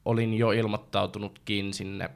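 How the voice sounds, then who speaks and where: A man's voice: fairly low pitch, level tone, gravelly. A man on a fan panel, chatting casually and hesitantly about a trip. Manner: hesitant, many fillers. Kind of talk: casual chat.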